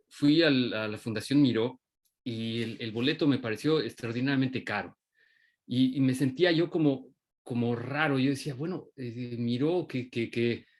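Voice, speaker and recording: A man with a Mexican accent gives an informal talk about his work, hesitating often and restarting his sentences. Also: medium pitch. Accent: Mexican Spanish. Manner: hesitant, many restarts and fillers. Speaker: invited puppeteer speaker.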